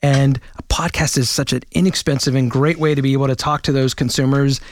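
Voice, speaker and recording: A man's voice: mid-range voice, fairly even intonation, a little fast. A man hosting a marketing podcast, chatting with enthusiasm and frequent restarts. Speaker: podcast host. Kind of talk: podcast interview. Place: New York studio.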